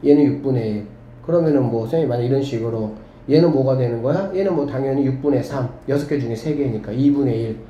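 A man's voice: medium pitch, quick pace, muffled recording. Upbeat man teaching math in echoey classroom. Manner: lively, keeps checking in with students. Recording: echoey room with faint background hum.

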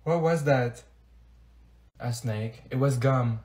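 A man's voice: medium pitch, slow pace, a little mellow, roomy sound, voice pushed down, natural voice. A man playing sassy, dramatic teenage schoolgirls with slangy, complaining delivery in a comedy skit. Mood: gossipy.

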